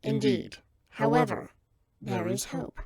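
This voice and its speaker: A woman's voice: on the high side, steady tone, slow, darkish tone. A woman playing an imperious, exasperated God in a comedy skit, solemn in pronouncements but bluntly sarcastic. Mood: stern, exasperated.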